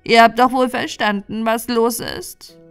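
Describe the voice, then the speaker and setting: A woman's voice: fairly high pitch, fairly even intonation, unhurried. Old moor witch, female reader acting, talkative, lecturing, bossy, storybook, background music. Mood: brisk, bossy.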